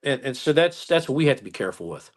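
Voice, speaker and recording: Calm, steady-talking police officer, a man. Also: mid-range voice, fast, a little hiss or hum. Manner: calm, steady, many restarts and fillers. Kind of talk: casual interview storytelling.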